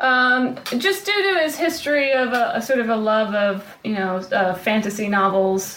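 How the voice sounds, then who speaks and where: A woman with an American accent talks at a moderate pace with hardly any pauses, her fairly high pitch swinging very widely over noticeable background noise. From US Pacific Northwest, Seattle. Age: 30s. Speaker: graduate student. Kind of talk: casual chat.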